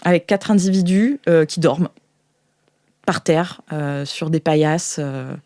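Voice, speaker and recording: A woman's voice: sits low, a little slow, dark tone, no echo, clean studio sound. A woman improvising tabletop game narration as game master, informal and searching for words.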